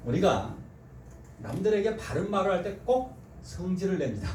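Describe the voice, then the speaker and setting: Animated pastor, echoey church hall. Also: male voice, high voice, moderate pace. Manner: animated, acts out quoted speech, laughs often. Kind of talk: sermon. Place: church sanctuary. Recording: echoey church hall from far off, faint noise.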